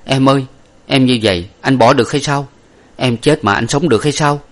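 A man's voice: medium pitch, a little fast, natural voice. A man voicing a devoted young husband who cries and laments over his wounded wife. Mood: tearful. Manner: wailing, lamenting. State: crying. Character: devoted young husband, grief-stricken fighter.

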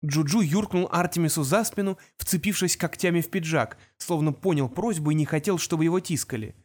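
A woman narrating an audiobook with an even, storytelling delivery. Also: fairly low pitch, a little fast. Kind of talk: scripted narration.

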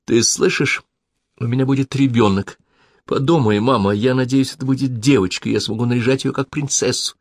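A man's voice: medium pitch, steady tone, a little fast, no room sound, studio quality, pitched above the performer's own voice, natural voice. A man reading as a desperate young pregnant woman pleading on the phone, tearful and urgent.

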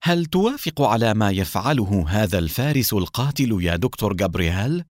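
A man's voice: on the low side, sing-song, brisk, darkish tone, no room sound, studio quality. A man reading a probing male doctor. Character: male doctor, investigator's sharp partner.

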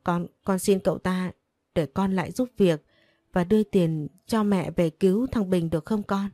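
A woman's voice: on the low side, moderate pace, mellow, no room sound, lightly acted. A woman voicing a begging older mother. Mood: pleading. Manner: begging, sobbing pleas. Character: pleading desperate older mother, tearful.

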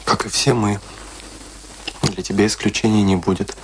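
A man's voice: on the low side, fairly even intonation, lightly acted. Actor as firm, blunt man, noisy recording. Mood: dry, blunt. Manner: measured, commanding, dry. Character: firm, blunt family friend tending a sick man. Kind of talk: radio play acting. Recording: noisy radio play recording with clicks.

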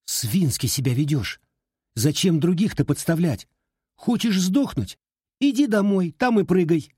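A man voicing a tough, sharp-tongued young woman who talks in a brusque, commanding way. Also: fairly high pitch, big pitch swings, normal speed, husky, no room sound, studio quality, pitched above the performer's own voice, full character voice. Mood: scolding.

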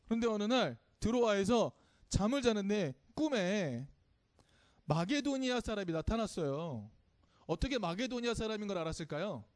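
A man with a high voice tells a children's sermon in church. His storytelling is plain and friendly, and he keeps turning to the congregation with questions. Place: church service.

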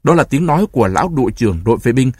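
A fearful, pompous old genie, as a male reader puts him on, lamenting in grand flowery phrases. The voice is husky and dry, at an ordinary mid pitch, read like a storybook. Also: sing-song, racing, darkish tone, dry recording. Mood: alarmed.

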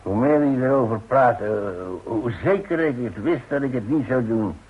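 An actor in a Dutch radio play playing a weary, evasive older father who speaks in halting, hesitant phrases. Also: medium pitch, breathy edge, lightly acted. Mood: uneasy, confessing. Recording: tinny, narrow-band old radio recording.

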